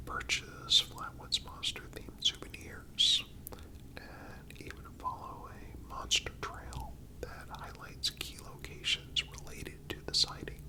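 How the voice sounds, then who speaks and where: A man narrating a scripted story for ASMR in a breathy, unvoiced whisper, deliberate and pausing between phrases. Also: rough recording.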